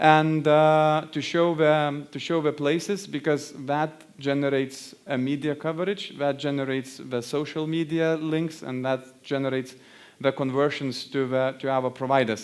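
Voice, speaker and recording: At a moderate pace and with hardly any pauses, a man with a Lithuanian accent talks in a fairly high pitch with fairly even intonation. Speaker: conference speaker on rural tourism. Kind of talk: conference talk. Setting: stage with audience. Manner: halting with frequent fillers.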